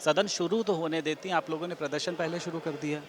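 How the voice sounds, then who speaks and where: A man's voice: a little high, steady tone, fast talker. A male news reporter putting challenging questions to a politician outdoors. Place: outdoors on a city street. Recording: crowd noise outdoors.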